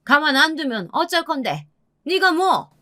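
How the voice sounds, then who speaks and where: A woman voicing an indignant older mother-in-law who scolds and sputters in a shrill voice, in a radio drama. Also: sing-song, unhurried, sharp tone, exaggerated voice. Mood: scolding.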